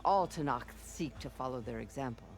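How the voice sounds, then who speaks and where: An actor playing a solemn, reverent tribal chaplain in a video game, speaking in a measured way. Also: male voice, mid-range voice, natural voice. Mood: solemn storytelling.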